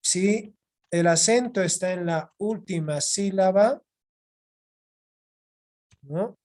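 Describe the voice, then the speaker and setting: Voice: medium pitch, slow, a little mellow. A teacher giving an online class lecture, patient, repeating key points and checking in with the students often. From Bolivia. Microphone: video call microphone.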